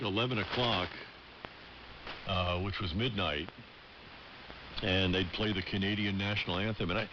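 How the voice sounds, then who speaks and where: A ham radio operator from the United States chatting casually on the air, with a measured broadcast-trained delivery. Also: male voice, sits low. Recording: dull shortwave radio with static.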